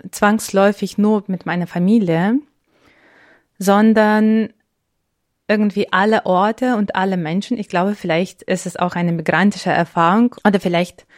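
A woman's voice: medium pitch, a little mellow, no echo, studio quality. A woman from Lviv in Ukraine, co-hosting a podcast, speaking thoughtfully and sometimes searching for words. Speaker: podcast co-host. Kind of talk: casual conversation.

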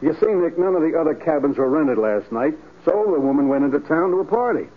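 Brusque police sergeant, tinny radio. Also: male voice, on the high side, expressive, brisk. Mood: matter-of-fact. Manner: brusque, accusing, clipped. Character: blunt, insistent police sergeant grilling a suspect. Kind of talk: 1940s radio acting. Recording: tinny 1940s radio recording.

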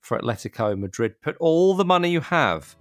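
A man's voice: a little high, big pitch swings, a little fast, no room sound. A man hosting a football podcast, wrapping up with a jokey, teasing manner. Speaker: podcast host. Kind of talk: casual podcast chat.

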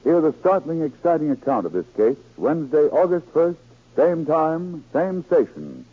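A man's voice: fairly high pitch, big pitch swings, moderate pace, slightly rough. A man working as an old-time radio announcer, reading promos in a formal, dramatic, emphatic way on a 1940s broadcast recording. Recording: scratchy, narrow-band 1940s radio recording.

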